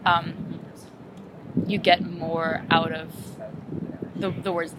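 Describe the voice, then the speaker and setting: Casual young-sounding translator woman, lowish voice. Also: level tone, extremely slow, heavy background noise. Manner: casual, uses "like" and "um" often. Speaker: poetry translator. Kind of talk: conversational interview answers.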